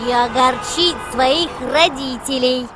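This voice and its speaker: A woman's voice: sits high, slow. A woman voicing a caring, admonishing road patrol guardian, teaching carefully in a children's cartoon. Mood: instructive. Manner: didactic, careful. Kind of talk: children's educational cartoon acting. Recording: music behind the voice.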